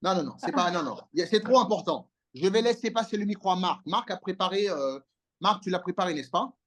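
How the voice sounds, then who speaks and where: Fiery preacher with swooping pitch. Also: animated, fairly quick, fairly bright tone. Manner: emphatic call-and-response preaching, asking for amens. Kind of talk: impassioned sermon over a video call. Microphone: video call.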